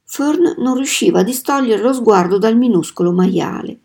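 A woman reads a children's novel aloud with measured, expressive storytelling. Her voice is warm and mellow, never sharp, and keeps an easy, steady flow. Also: a little high, gravelly. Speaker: storybook reader.

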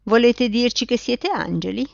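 A woman's voice: fairly high pitch, expressive, normal speed, creaky, no room sound, dull audio, voice pushed up. A woman reading aloud, voicing a bald, red-faced middle-aged man who grumbles with indignation. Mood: indignant.

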